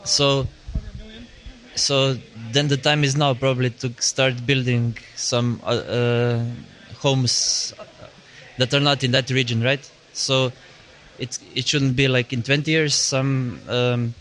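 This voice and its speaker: Flat-voiced hesitant man. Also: medium pitch, slow pace. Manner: hesitant, many fillers. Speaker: roundtable participant. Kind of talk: casual roundtable discussion.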